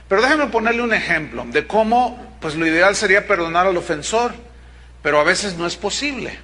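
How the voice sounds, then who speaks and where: A pastor in middle age delivers a sermon in a high, forceful voice. He leans on his points with emphasis and keeps asking his listeners whether they follow him. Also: slight background noise. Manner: emphatic, with rhetorical check-ins to the congregation.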